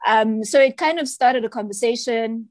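A woman's voice: a little high, moderate pace, dry recording. Chatty South African woman, dry sound. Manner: chatty storyteller, often adds "you know" and "right". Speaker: children's book author, guest. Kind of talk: casual interview chat.

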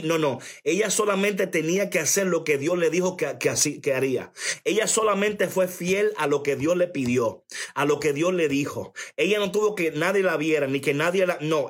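Emphatic preacher man, fairly high voice. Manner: emphatic, repeats phrases, calls for attention; reads chat comments aloud. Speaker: preacher on a live stream. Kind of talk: sermon-style testimony.

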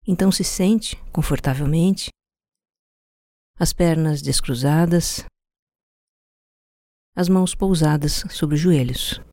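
Mid-pitched voice, Brazilian accent, mellow tone, soothing meditation guide, calm pauses, very dry close sound. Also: no room sound. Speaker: podcast host guiding a meditation. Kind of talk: slow guided meditation narration.

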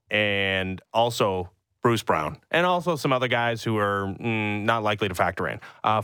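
A man's voice: medium pitch, sharp tone, smooth, no echo. A man co-hosting a morning sports radio show, talking through a trade in an emphatic, casual way. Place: radio studio. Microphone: studio microphone.

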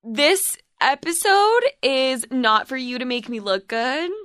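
A woman's voice: high-pitched, very animated, takes it slowly, a bit bright, clean tone, no room sound, clean studio sound. A woman in her twenties hosting a casual podcast, giggly and playful, swearing casually. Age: 20s. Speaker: podcast host.

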